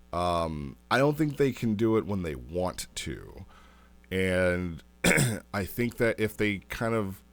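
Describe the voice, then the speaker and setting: A man giving casual, unscripted commentary as a review host, talking in a rambling, animated way. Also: low voice, no echo. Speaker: host reviewing a text role-play log.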